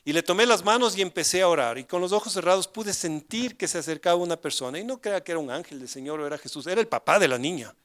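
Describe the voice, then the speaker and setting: An older man preaches a sermon in a fairly high voice. He tells a story to the congregation, dropping to hushed asides and swelling to loud declarations. He often turns to the listeners with rhetorical questions. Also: expressive, quick pace, hardly any pauses. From Ecuador. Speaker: pastor.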